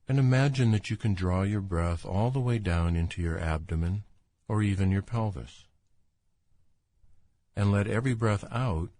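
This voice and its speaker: A man with a deep, low voice guides a relaxation meditation. His delivery is calm, soothing and unhurried. The recording is dry and close, with no room sound. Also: no room sound. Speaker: doctor guiding a relaxation exercise.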